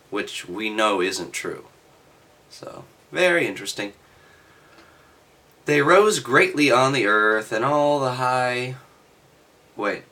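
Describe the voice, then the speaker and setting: A man reading aloud and adding halting, offhand, skeptical commentary with sardonic asides. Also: fairly low pitch, pushed and bright. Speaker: reader and commentator.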